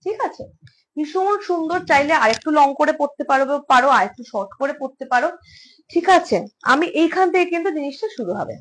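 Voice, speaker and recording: A woman with a high voice talks through a casual home showcase of jewellery pieces. She is chatty, repeats her phrases and slips English words into her speech. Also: animated, a little fast, poor audio. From India. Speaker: jewellery seller. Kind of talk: casual live product showcase.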